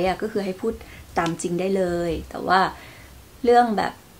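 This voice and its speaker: Light background noise sits behind a woman with a medium pitch. Her pitch variation is ordinary. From Bangkok, Thailand. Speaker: beauty and lifestyle YouTuber. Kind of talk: casual vlog talk to camera. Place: home room. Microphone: phone near.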